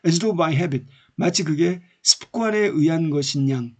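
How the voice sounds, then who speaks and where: Male lecturer, slightly high husky voice, slow careful reading then explanation. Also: darkish tone. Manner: reads English lines slowly, then explains in Korean. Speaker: English literature teacher.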